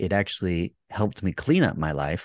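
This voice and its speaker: Speaking at a fairly slow pace in an American accent, a man with a very deep, low voice uses ordinary pitch variation, and the sound is dry and close with no echo. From Texas. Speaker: biologist and wildlife educator. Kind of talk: interview conversation.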